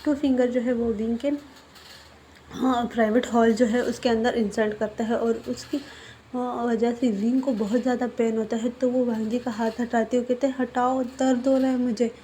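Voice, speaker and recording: A woman retells a fan-fiction story in a chatty, casual tone, full of fillers and restarts. Her voice is fairly high. Faint noise hums underneath. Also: little pitch movement, moderate pace, mellow.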